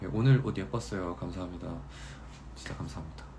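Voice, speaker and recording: Very wide pitch swings run through the speech, with audible room echo around it. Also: man. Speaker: musical theatre actor. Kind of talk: casual livestream chat reading viewer comments. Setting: Instagram live stream.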